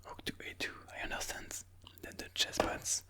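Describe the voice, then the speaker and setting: In a breathy ASMR whisper, someone comments on their own chess game, musing aloud about each move at a moderate pace.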